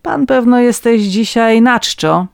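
A reader voicing a shrewd, calm peasant farmer, a man who asks dry, measured questions. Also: mid-range voice, vocal fry, clean tone, no room sound, pitched above the performer's own voice. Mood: sly.

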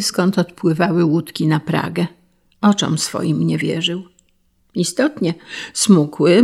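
A woman reads a story aloud in a measured, wry way. Her voice sits low and carries a gravelly fry. She keeps a calm storytelling pace. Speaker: narrator. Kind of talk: scripted story reading.

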